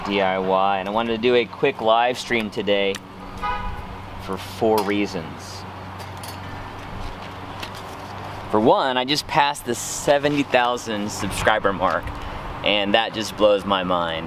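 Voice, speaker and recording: Very slow pace with long, frequent pauses, ordinary pitch variation, a dry sound with no echo and noticeable background noise. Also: man, fairly low pitch for a man. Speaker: DIY channel host. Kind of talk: casual vlog chat. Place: garden.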